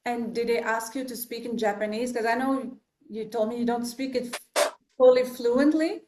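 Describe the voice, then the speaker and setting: A woman's voice: a little high, steady tone, moderate pace, background noise. A woman hosting an interview, prompting her guest with brief questions. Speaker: interviewer host. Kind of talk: interview conversation.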